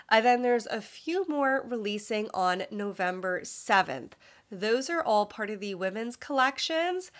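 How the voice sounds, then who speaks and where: A woman's voice: a little high, a bit bright. A woman presenting a luxury fashion vlog in a polished, informative, friendly way, sounding nasal from a cold.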